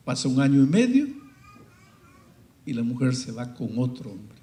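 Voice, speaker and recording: A male pastor preaching a sermon, dramatic and storytelling, swinging between loud peaks and hushed passages. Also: mid-range voice, big pitch swings, moderate pace, reverberant.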